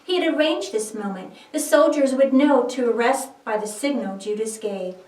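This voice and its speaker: A woman's voice: fairly high pitch, expressive, moderate pace, a little mellow. A woman reading a scripted, dramatic Bible story in a solemn, theatrical storytelling manner. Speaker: narrator. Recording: echoey room, distant microphone.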